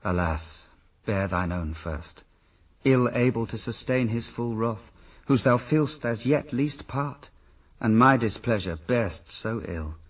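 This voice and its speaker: An actor playing an anguished but reasoning husband, speaking formal verse gravely in a classical radio drama. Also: male voice, mid-range voice, lively intonation, slow pace, recorded from a distance. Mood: anguished, reproachful. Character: Adam, the first man, anguished yet reasoning husband.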